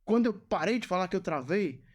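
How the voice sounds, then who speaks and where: Earnest man with a higher voice. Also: expressive, brisk. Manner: earnest storyteller who repeats phrases for emphasis. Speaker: guest, Catholic missionary. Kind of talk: spoken testimony in a podcast.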